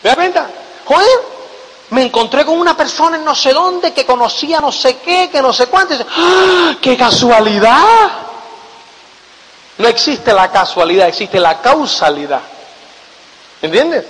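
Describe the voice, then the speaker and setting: High-voiced man giving an echoing seminar talk. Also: moderate pace. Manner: keeps checking in with tag questions; emphatic, lively delivery. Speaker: motivational speaker. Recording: long hall reverb.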